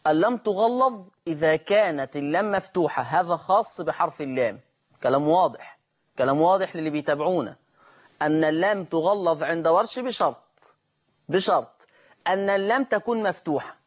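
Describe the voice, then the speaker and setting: Chanting sheikh teaching recitation. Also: male voice, on the high side. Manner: slow melodic chanting of verses, brisk conversational explanations. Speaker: Quran recitation teacher and host. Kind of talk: Quran recitation lesson.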